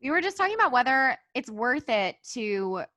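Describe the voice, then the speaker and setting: A woman hosting a casual podcast chat, chatty and quick with short interjections. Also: a little high, sing-song, bright, forceful tone, dry recording. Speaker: podcast host.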